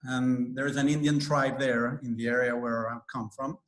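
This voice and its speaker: A man's voice: mid-range voice, level tone, normal speed, fairly bright tone. Skeptical man from Venezuela, echoey room. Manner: skeptical, storytelling, laughs while questioning. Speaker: interviewer. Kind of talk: conversational interview.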